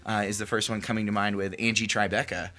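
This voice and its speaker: A man's voice: on the low side, flat delivery, quick pace, bright, forceful tone. A man hosting a podcast in a loose, casual chat, with fillers and restarts. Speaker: podcast host.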